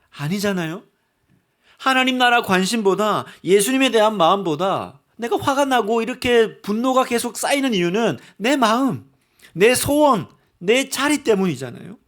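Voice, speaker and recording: A man's voice: sits high, expressive, moderate pace. A pastor preaching to his congregation in church, earnest and full of rhetorical questions. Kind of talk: sermon.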